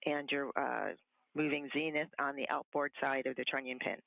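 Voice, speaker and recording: A woman's voice: a bass voice, fairly even intonation, normal speed, gravelly, dry recording. Woman on a mission radio comm loop. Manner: clipped procedural readbacks. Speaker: spacewalk communicator. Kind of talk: mission control radio calls. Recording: muffled radio loop audio.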